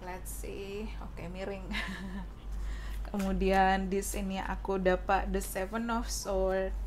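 A young woman with a hoarse voice giving a casual tarot reading, chatty and often saying "oke". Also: medium pitch, level tone, slow, a little mellow, a little hiss or hum. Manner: chatty, mixes English phrases, says "oke" often. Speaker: tarot reader. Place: indoors at a wooden table.

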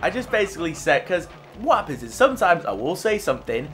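A man's voice: fairly high pitch, big pitch swings, fast, fairly bright tone, soft background music. A young man co-hosting a racing-game let's play, talking with a dry, sarcastic delivery and laughing often. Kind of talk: casual gaming chat.

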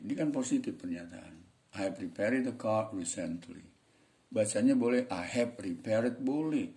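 A man teaching English grammar in a casual, chatty way, slowing down to read example sentences aloud and calling his viewers friends. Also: lowish voice, dark tone. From Indonesia.

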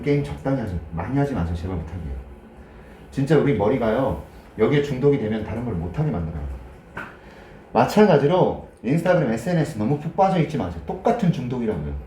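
Male teacher, lively classroom lecturer who banters and quizzes students; warm dark voice, roomy echo. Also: mid-range voice, a little hiss or hum. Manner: jokey, teasing, quizzes students in casual speech. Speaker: English grammar teacher.

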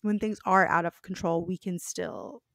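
A young woman with a raspy voice co-hosting a podcast, talking frankly and joking in a casual chat. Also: on the low side, fairly even intonation, normal speed, a bit bright, dry recording, clean studio sound. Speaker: podcast co-host.

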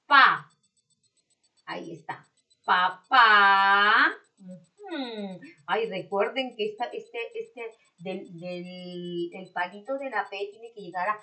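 A Peruvian woman teaching preschoolers a remote class, slowly sounding out syllables in a sing-song way. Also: medium pitch, fairly bright tone. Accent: Peruvian Spanish. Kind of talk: recorded remote class for young children.

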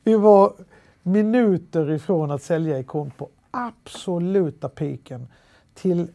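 In an interview, a middle-aged man from Sweden with a Halland dialect recounts a story. He has a high voice with vocal fry, and his lively, anecdotal telling is full of restarts and fillers.

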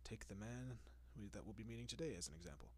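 A man playing a doting, possessive centuries-old vampire in an intimate roleplay audio, speaking in a genteel, coaxing manner with lingering pauses. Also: fairly low pitch, animated, darkish tone. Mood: composed, confiding.

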